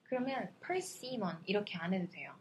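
Higher-pitched woman explaining English pronunciation. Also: background noise. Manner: explains patiently, models English words slowly. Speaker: podcast co-host teaching English. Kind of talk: casual chat.

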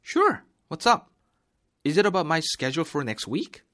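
A man reading the part of a cheerful young worker in a textbook dialogue, lifting his voice higher. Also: very slow, exaggerated voice. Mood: excited. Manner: bright, excited lines.

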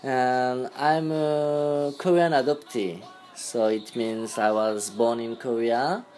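A man's voice: mid-range voice, steady tone, takes it slowly, a little mellow, soft background music. A young man from France with a French accent, a podcast guest speaking English as a second language, hesitant and searching for words. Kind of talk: casual conversation.

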